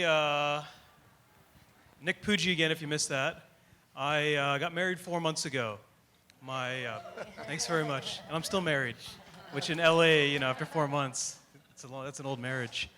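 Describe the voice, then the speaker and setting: Bright, joking male panel moderator. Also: fairly high pitch, a little hiss or hum. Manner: self-deprecating, quick jokes. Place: large tent stage before an audience. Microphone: handheld mic, far camera.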